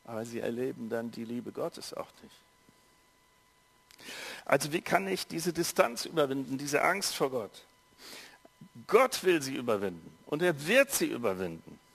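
A male preacher giving a sermon, telling a story in an earnest, measured way with pauses. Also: medium pitch, big pitch swings, vocal fry, a bit bright, slightly rough. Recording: long hall reverb.

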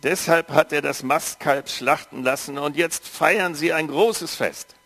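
Man, preacher, slow deliberate reading, slightly high voice, sermon. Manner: slow, measured reading with lively quoted speech; reflective, conversational asides with fillers.

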